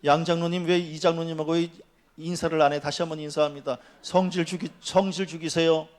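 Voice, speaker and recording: A man's voice: on the high side, little pitch movement, fairly quick. A man preaching a sermon to his congregation, scolding and joking by turns and sometimes dropping to a near whisper. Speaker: pastor. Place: church sanctuary.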